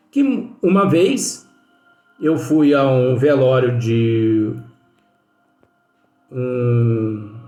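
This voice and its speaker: A man's voice: fairly high pitch, darkish tone. A man giving a spiritist study lesson in a conversational way, telling anecdotes and often tagging sentences with questions to his listeners. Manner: chatty, leans on tag questions. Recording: echoey room with faint music.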